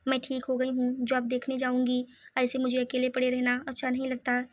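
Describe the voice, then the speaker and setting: A woman's voice: high-pitched, completely flat delivery, a little fast, dry recording, close to an everyday voice. A woman voicing a tearful, touchy young woman who has lost her job, in a read-aloud audio story. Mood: upset.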